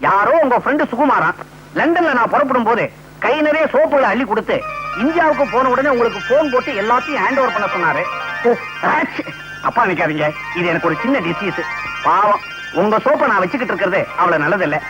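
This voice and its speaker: An actor playing a showy, chatty man posing as a London-returned gentleman, dropping English phrases in an old film. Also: high-pitched, lively intonation, fast. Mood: smooth boastful. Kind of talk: 1990s film acting. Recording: dull old film soundtrack with music.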